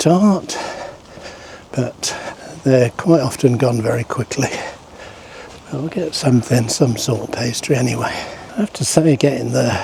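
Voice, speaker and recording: Amid noticeable background noise, a man with an English accent speaks at a fairly slow pace, with long, frequent pauses. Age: 60s. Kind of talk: casual talk to camera while walking.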